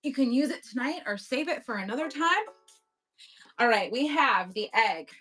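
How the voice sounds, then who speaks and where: A woman's voice: a little high, lively intonation, normal speed, sharp tone, faint music behind, poor audio. Chatty woman auctioning thrift finds live. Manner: chatty, upbeat, thanks bidders by name. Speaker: online live-auction seller. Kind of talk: casual live-selling chat. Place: home at night.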